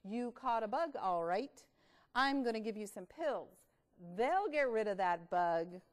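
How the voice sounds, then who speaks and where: A woman's voice: mid-range voice, animated, measured pace, natural voice. A woman playing a matter-of-fact, tutting doctor in a children's storybook read-aloud.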